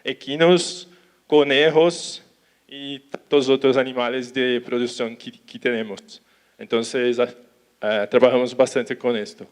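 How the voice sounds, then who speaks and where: A man with a Brazilian accent, a native Portuguese speaker who cannot roll his R, giving an informal conference talk haltingly, mixing in Portuguese words and checking that listeners follow. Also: mid-range voice, steady tone, clear, resonant tone. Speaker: animal welfare consultant giving a talk.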